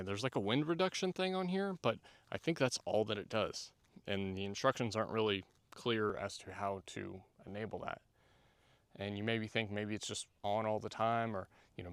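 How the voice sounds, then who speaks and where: Out in the wilderness with occasional wind, a camera-gear vlogger tests small wireless clip-on mics, moving them around as he rambles and thinks aloud. His voice is on the low side with a clean tone, and the recording is dry.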